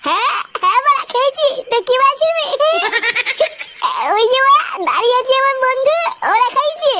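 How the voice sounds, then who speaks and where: A performer voicing Futo, a foul-mouthed, brash young man in a cartoon who swears and shouts constantly. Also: extremely high pitch, lively intonation, normal speed, full character voice. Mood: brash taunting.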